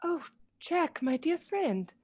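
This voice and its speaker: A haunted young bride-to-be in a radio drama. Her pitch moves freely and expressively, with a dreamy, fragile and tender delivery. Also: sing-song, takes it slowly, a little mellow, full character voice. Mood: weak, grateful. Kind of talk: live radio play acting.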